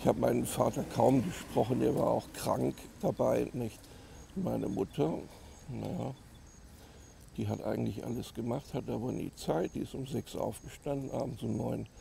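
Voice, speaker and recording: A man with a fairly low pitch, dark, mellow tone and vocal fry talks at a moderate pace, his pitch swinging very widely and his speech broken by long, frequent pauses. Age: 60s. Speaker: interviewee, self-described scientist. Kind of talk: interview. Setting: outdoors in a park. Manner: hesitant, many filler sounds.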